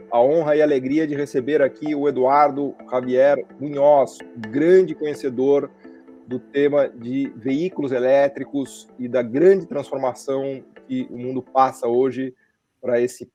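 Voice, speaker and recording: A man's voice: medium pitch, darkish tone. A man hosting a podcast interview, talking in a conversational way and often adding tag questions. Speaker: podcast host. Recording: dry, dull lo-fi sound.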